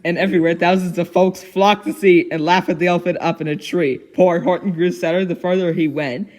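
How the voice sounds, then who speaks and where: Guy playing a cheerful little girl reading a storybook out loud, high pitched n giggly. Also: a little fast, natural voice. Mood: storytelling. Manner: giggly, expressive.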